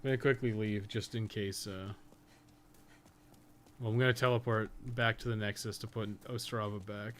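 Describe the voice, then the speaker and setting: A man's voice: on the low side, steady tone, normal speed, a bit bright. A man doing casual, profane, joking video game commentary as he chats with stream viewers. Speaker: live streamer, podcast co-host.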